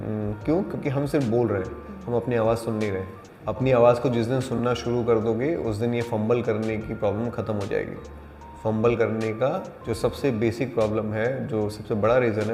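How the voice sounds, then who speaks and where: A man teaching an acting class, explaining exercises in a calm, deliberate way and mixing in English terms. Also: medium pitch. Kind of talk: spoken acting lesson. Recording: echoey hall with faint music.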